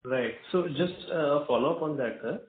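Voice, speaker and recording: Man questioning over the phone, polite and halting, in a roomy room on a thin phone line. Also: fairly high pitch. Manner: polite and hesitant, many fillers, says sir. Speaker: analyst asking questions on an earnings call. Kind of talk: business call questions. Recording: echoey tinny phone line.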